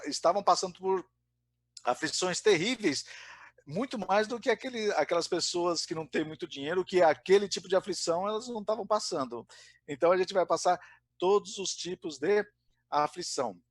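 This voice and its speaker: A man's voice: high-pitched, no room sound. A man giving an informal spiritist talk, often hesitating and restarting his sentences. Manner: hesitant, many fillers and restarts. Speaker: spiritist study speaker. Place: Brazil.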